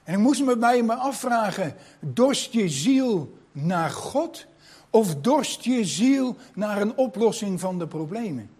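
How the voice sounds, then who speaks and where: A man's voice: sits high, animated, slow pace, darkish tone, breathy edge. A man preaching a sermon in a reflective, personal way, asking his listeners rhetorical questions.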